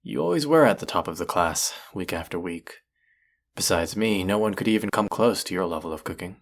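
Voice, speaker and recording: A man's voice: low voice, lively intonation, fairly quick. A man playing a cocky, bickering chef in an intimate audio roleplay, with a teasing, sardonic and condescending manner. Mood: grudging admiration. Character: cocky, bickering male chef, grudgingly fond rival. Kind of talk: intimate audio roleplay acting addressed to listener.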